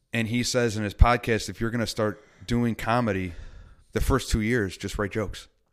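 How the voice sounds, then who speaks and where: Speaking in an American accent, a man delivers monotone, flat intonation at a medium pitch. His pace is moderate, on a very clean recording with a silent background. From Michigan, Detroit suburbs. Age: 20s. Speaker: podcast host and comedian. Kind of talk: casual chat. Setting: home studio.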